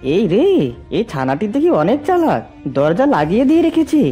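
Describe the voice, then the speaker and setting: A woman's voice: mid-range voice, wildly swooping pitch, moderate pace, dark tone, faint music behind, pitched below the performer's own voice. A woman voicing a sly, scheming fox in a children's cartoon, wheedling as a false kindly uncle. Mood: frustrated, scheming. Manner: wheedling, scheming, swooping delivery.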